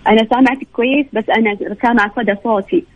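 A woman speaking as a doctor on a radio phone-in while her phone line breaks up and cuts out. She talks hesitantly, with many drawn-out fillers. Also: on the high side, fairly even intonation. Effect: breaking-up phone line, audio cutting out. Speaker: gynecologist guest on a radio show. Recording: dry tinny phone line.

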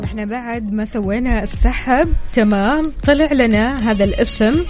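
A woman's voice: a little high, normal speed, darkish tone. A woman co-hosting a radio morning show, chatting playfully and announcing contest business. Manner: playful, bantering. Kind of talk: lively casual radio chat and contest announcing. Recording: music bed behind the voice. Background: music.

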